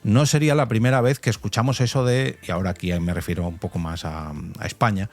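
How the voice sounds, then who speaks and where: A man's voice: on the low side, steady tone, fast. A man hosts a solo podcast, explaining things conversationally and adding asides. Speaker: podcast host.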